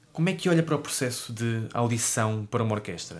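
At a very fast pace, a man speaks at medium pitch. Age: 20s. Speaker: podcast host and musician. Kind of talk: interview. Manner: formal.

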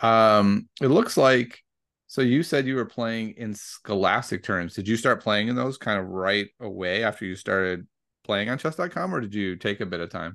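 A man talks at a moderate pace with fairly low pitch. It's a plain, everyday voice. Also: ordinary pitch variation. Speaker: podcast host. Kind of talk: casual interview chat.

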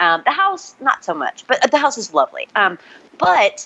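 A woman with an American accent talks at a moderate pace, with vocal fry in her voice. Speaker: podcast co-host. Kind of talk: casual chat.

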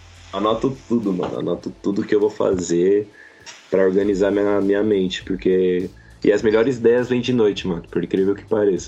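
With a dark, mellow tone and a fairly low pitch, a man talks at a fairly quick pace. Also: fairly even intonation. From São Paulo, Brazil (south zone). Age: 20s. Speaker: tattoo artist and customer service worker. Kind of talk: casual chat.

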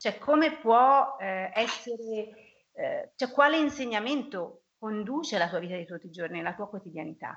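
A woman speaks at a fairly slow pace in a fairly high pitch, her voice making very wide pitch swings. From Florence, Tuscany, Italy. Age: 40s. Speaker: yoga practitioner. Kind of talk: casual interview. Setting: remote call.

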